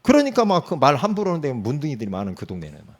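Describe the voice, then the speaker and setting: A man's voice: fairly high pitch, rapid-fire. A man preaching a sermon as a pastor, colloquial and teasing, acting out quoted lines and often prompting the congregation. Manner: animated, acts out quoted speech, frequent "응?" prompts.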